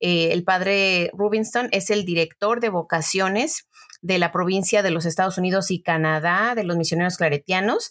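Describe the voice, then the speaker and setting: A normal speaking voice at a fairly quick pace, with hardly any pauses, ordinary pitch variation and very even loudness. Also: woman, medium pitch for a woman. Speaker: radio host. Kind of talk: casual chat.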